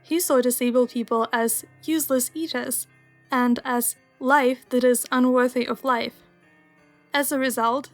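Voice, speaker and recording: High-voiced young woman narrating a video essay. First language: Russian. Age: young adult. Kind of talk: scripted voice-over narration.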